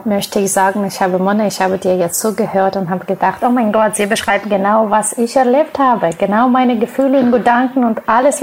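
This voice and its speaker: A woman's voice: medium pitch, a little mellow, poor audio. A woman from Ukraine, speaking earnestly and with some hesitation in a conversational interview. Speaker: guest. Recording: faint background noise.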